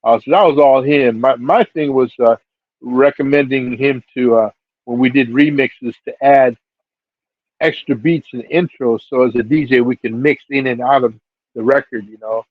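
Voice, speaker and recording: A man's voice: medium pitch, fairly even intonation, moderate pace. Laid-back man on a tinny phone line. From Seattle. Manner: laid-back, many fillers, voice jumps up for quoted reactions. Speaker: hip-hop DJ and label figure telling his story. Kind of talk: casual storytelling interview.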